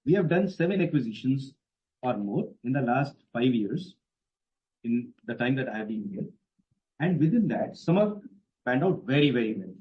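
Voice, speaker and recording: A man's voice: mid-range voice, big pitch swings, normal speed. Indian executive man, dull call audio. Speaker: company executive on an earnings call. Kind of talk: spontaneous explanatory answers to analysts. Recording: dull, band-limited conference call audio.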